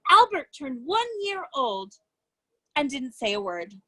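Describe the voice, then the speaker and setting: A woman reading a children's storybook aloud as an educator, with expressive, deliberate phrasing and emphasis on key words. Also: high voice.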